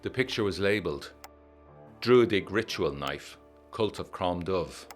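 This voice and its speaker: A man narrating a letter in a measured, formal, old-fashioned manner for a gothic audio drama. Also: sits low, animated, soft background music. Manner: measured, formal period storytelling.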